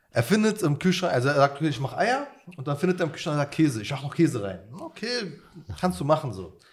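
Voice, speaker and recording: With vocal fry and very wide pitch swings, a man talks at a very fast pace and a fairly high pitch. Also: big swings in loudness. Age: 20s. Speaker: YouTuber, interviewer. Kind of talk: casual chat.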